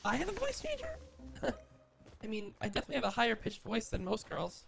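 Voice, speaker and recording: A man's voice: high voice, huge pitch swings, brisk, creaky, background noise, heavily acted. A man using a voice changer to play a shy, chatty teenage girl gamer; the voice sounds staticky and slightly robotic, full of fillers and restarts. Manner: rambling with many fillers and restarts. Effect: glitchy voice changer. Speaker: streamer pranking players.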